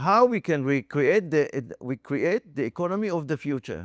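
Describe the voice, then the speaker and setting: On a very clean recording with a silent background and a dry, close sound with no echo, a man with a non-native accent speaks with very wide pitch swings. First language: not English. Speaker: real estate developer and business founder. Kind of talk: panel talk. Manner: halting.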